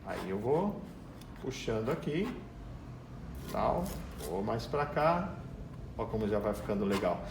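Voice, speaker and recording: A man with a Brazilian Portuguese accent teaches painting step by step in his home garage, chatting casually, explaining as he works and talking to his dog, which whines and barks in the background. His voice is lowish and gravelly with big pitch swings, a slow pace and long pauses. The recording is reverberant with background noise.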